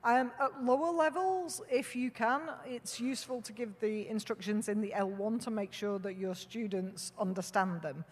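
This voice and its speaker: A woman on a conference panel answers a question, explaining her points clearly at a mid pitch. Long reverb from a large hall trails behind her voice. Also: moderate pace, hardly any pauses.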